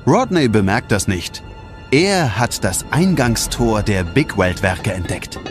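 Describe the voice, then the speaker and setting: Guy narrating kids audio story, really lively delivery, music playing behind. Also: on the low side, slow. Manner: dramatic storytelling. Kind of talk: scripted children's audio play narration.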